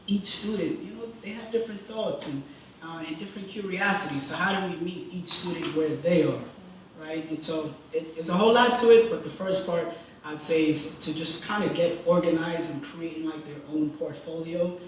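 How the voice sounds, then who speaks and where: A man's voice: a little high, normal speed, far from the mic, slight background noise. Man on a panel, echoey hall. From Jamaica. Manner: energetic, conversational, asks rhetorical questions. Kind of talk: panel discussion. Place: event hall.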